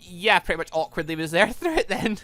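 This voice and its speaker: A woman giving casual let's play commentary, reading game dialogue aloud and rambling as she thinks out loud with animated reactions. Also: fairly low pitch, brisk, dry recording. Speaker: gaming channel host.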